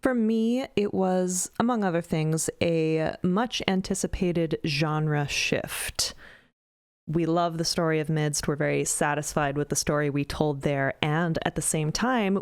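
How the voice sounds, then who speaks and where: A woman with a notably low voice talks through her creative work in a modest, thoughtful way. Her voice is recorded close and dry, with no room sound around it. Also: unhurried, clear, resonant tone, no room sound. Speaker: illustrator and podcast co-creator. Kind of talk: casual roundtable chat.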